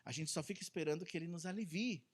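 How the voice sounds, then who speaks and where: Brief: Brazilian man preaching a relaxed Sunday sermon, chatty and animated, jumping from hushed asides to loud peaks. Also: fast, husky. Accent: Brazilian Portuguese. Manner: animated, with rhetorical questions to the congregation; swings between soft low asides and loud high bursts.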